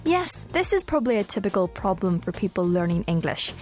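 Northern irish lady hosting an english lesson, animated up and down, bit of music underneath. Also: medium pitch, fairly quick. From Northern Ireland. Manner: clear, explanatory, asks co-host questions. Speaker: co-host of English learning programme. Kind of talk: scripted educational presenting.

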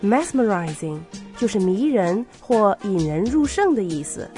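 A woman co-hosting a language lesson, explaining words clearly in a scripted style. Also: medium pitch, sing-song, unhurried, mellow, soft background music. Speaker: co-host explaining words in Chinese. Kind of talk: scripted bilingual lesson presenting.

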